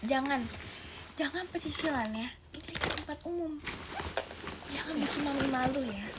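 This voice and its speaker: Brief: woman doing a stern mum in public, high voice, short orders, noisy stream audio. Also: unhurried. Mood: firm. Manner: firm, clipped commands. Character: strict mother disciplining her child in public.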